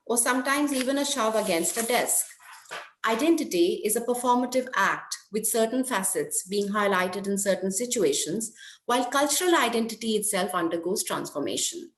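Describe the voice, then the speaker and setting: A woman of middle pitch reads her conference paper aloud, measured and careful, leaning slowly on key words. Her voice rings in an echoey room. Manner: measured, careful reading with slow stresses. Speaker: academic presenter.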